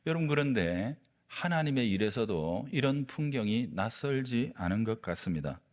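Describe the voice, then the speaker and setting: A male pastor preaching a sermon, telling a story with lively delivery and acting out the quoted lines. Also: medium pitch, moderate pace. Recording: long reverb of a large hall.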